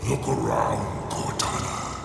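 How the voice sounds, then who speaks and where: An actor playing a huge, brutal alien warlord in a video game, speaking menacing, grandiose pronouncements in a growling voice. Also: male voice, slow pace, natural voice. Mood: menacing, gloating. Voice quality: very deep gravelly growl. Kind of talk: video game cutscene acting.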